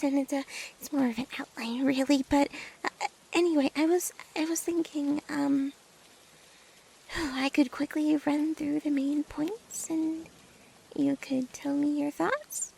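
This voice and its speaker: A woman's voice: high-pitched, creaky, darkish tone, poor audio. A woman playing a nervous, lovestruck girl best friend in an ASMR roleplay, stammering and hesitant, often dropping toward a whisper. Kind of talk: ASMR roleplay acting, addressed to the listener.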